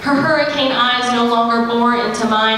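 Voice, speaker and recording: Noticeable background noise runs under the voice. The pace is moderate and the intonation fairly even. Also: woman. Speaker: spoken word poet. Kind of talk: spoken word poetry performance.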